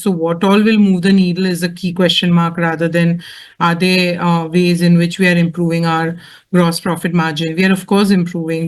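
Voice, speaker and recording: A company executive with a measured, explanatory way of talking, answering questions on an earnings call. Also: medium pitch.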